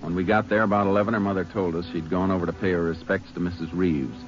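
A man acting as a calm, methodical Texas Ranger in a 1950s American radio drama, speaking in a measured, matter-of-fact way. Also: sits low, lightly acted. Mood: measured narration. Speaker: lead actor and narrator. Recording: dull old radio recording, faint music.

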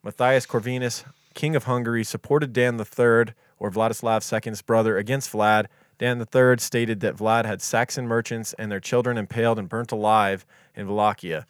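A man's voice: on the low side, fairly even intonation, moderate pace, hardly any pauses, clear, resonant tone, no room sound, studio quality. A man co-hosting a true crime podcast, reading history from notes in a casual, offhand way and tripping over foreign names. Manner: reads dates and quotes, stumbles on foreign names, swears casually.

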